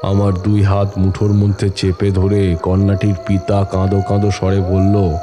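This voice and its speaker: Low-voiced tantric storyteller played by a man, music behind. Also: completely flat delivery, normal speed, natural voice. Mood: solemn, suspenseful. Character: male tantric holy man recounting his uncanny adventures. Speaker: narrator. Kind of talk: dramatic first-person horror narration. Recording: music bed under the voice. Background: dramatic music.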